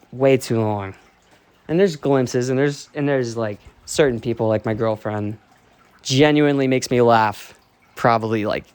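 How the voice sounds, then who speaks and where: A young man, a streamer, candidly rambling and ranting while he walks around a dark basement talking into his phone, swearing freely and filling with "like". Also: mid-range voice, no room sound. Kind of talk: casual rambling monologue. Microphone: phone held while walking.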